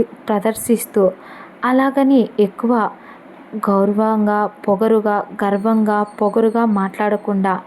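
A woman narrates a romantic story with expressive storybook delivery, now and then mixing in English words. Her voice is warm and mellow. A faint hum of ambience sits behind her. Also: medium pitch.

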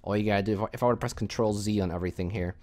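A man with a fairly low voice hosts a software tutorial. He talks in an informal, casual way and walks the listener through things step by step. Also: fairly even intonation, racing. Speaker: tutorial host. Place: indoors, voice-over for screen recording.

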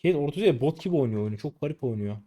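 Excitable late-twenties male gamer. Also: fairly high pitch, rapid-fire. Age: late 20s. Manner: excitable, exasperated, rough slangy banter with teammates. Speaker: gaming streamer. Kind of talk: live gameplay commentary.

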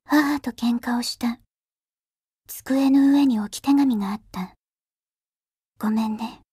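Breathy, slow woman narrator. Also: on the high side, dark tone, no echo, clean studio sound. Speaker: voice actor. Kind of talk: soft scripted commercial narration.

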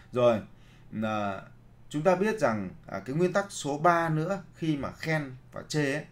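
A man giving a seminar lecture as a leadership trainer, posing rhetorical questions, then answering them himself, and repeating his key phrases to the audience. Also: medium pitch.

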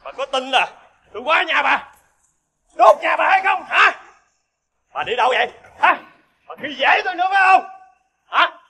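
An actor playing a violent young drug addict who yells threats at his neighbors, with a Southern Vietnamese accent. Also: extremely high pitch, sing-song, fairly quick, pauses often, a faint crowd, slight background noise, exaggerated voice. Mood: raging threats. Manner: menacing, yelling threats. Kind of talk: TV crime reenactment drama.

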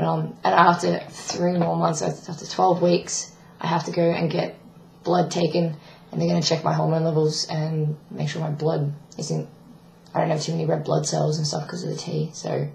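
A young trans man with a croaky, breaking voice, giving a rambling video diary update with many ums. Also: fairly high pitch, roomy sound, a little hiss or hum, rough recording. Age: young adult. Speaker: vlogger. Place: small bedroom indoors. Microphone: webcam at desk.

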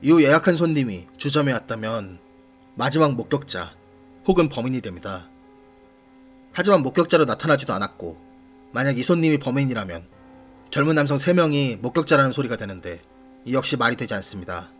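A man hosting and narrating a scripted true-crime series in a measured, formal manner, putting questions to the audience. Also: medium pitch, sing-song. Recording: voice over background music. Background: background music.

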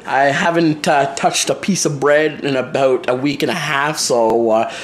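A young male vlogger rambles casually to a wide-angle camera held close, filling his talk with fillers as he moves around his small indoor kitchen and living room. His mid-range voice keeps a steady tone at a measured pace. There's slight background noise.

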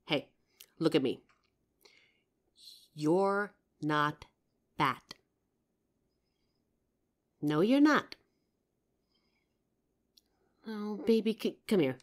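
A woman's voice: fairly low pitch, lively intonation, very slow, pauses often. A woman playing a loving, protective girlfriend in an intimate comfort roleplay, tender and earnest with some teasing. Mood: firm, comforting. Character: loving, protective girlfriend reassuring her partner. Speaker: audio roleplay performer.

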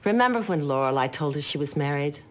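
A woman's voice: sits low, lively intonation, fast, slight background noise. An actress playing a haughty society mother in her sixties, speaking formally with arch, pointed sarcasm in a TV comedy-drama. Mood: aggrieved, mocking. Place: furnished living room.

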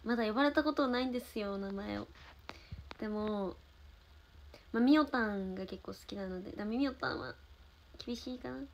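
A woman's voice: medium pitch, fairly quick, pauses often, a little hiss or hum. Chatty young woman with Osaka lilt. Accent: Osaka Kansai. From Osaka, Japan. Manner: chatty, thanks viewers between stories, soft murmured asides. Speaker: idol livestream host. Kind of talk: casual livestream chat.

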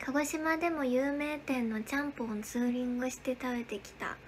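A woman's voice: high-pitched, brisk, a little hiss or hum. A young woman hosting a casual livestream, greeting viewers by name and answering their chat comments. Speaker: livestream host.

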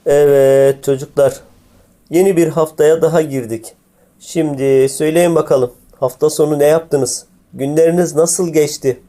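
Cartoon teacher voiced by a man: dark, soft-edged timbre, kindly and inquisitive, fond of prompting pupils. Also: fairly high pitch, steady tone, measured pace, natural voice. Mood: teaching. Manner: addresses pupils fondly, asks leading questions. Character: kindly, curious school teacher, easily amazed. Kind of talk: scripted comic cartoon dialogue.

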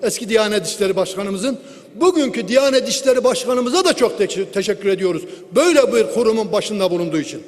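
High-voiced man orating at a lectern microphone. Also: lively intonation, quick pace. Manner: forceful, declamatory oratory with rhetorical questions. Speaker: member of parliament giving a speech. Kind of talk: political speech from the rostrum. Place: large parliament hall. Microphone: lectern microphone at the rostrum. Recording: long hall reverb.

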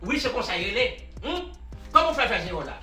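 An actor playing a blustering, excitable older uncle with a Haitian accent, ranting and repeating himself in a comedy sketch. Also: male voice, high-pitched, a little fast, exaggerated voice. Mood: indignant. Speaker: comic lead. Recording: echoey room, distant mic, music behind.

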